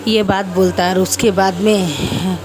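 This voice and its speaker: A woman's voice: mid-range voice, steady tone, unhurried, noisy background. A woman casually retelling a fan story, chatting through it and reading every character in her own plain voice.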